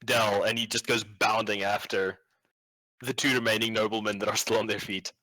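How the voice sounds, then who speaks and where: A man's voice: fairly low pitch, little pitch movement, normal speed, bright, forceful tone, low-quality recording. A man acting as game master, improvising tabletop game narration in a casual, sweary, slangy way.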